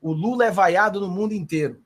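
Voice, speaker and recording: A man with a Brazilian accent hosting political commentary, animated and sarcastic, talking straight to his viewers. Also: sits high, a little fast, background noise. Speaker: host.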